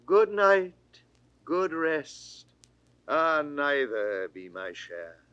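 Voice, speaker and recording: A man's voice: on the high side, big pitch swings, very slow, pushed and bright, clear, resonant tone, no echo, lo-fi sound. An older man reading classical verse in a declamatory style, lingering on words and swooping up and down. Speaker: poetry reader. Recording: dry 1960s studio recording.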